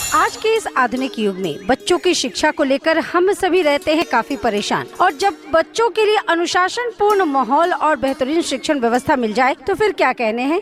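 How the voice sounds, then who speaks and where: Music plays in the background as the speaker talks with hardly any pauses. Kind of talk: advertisement voice-over read.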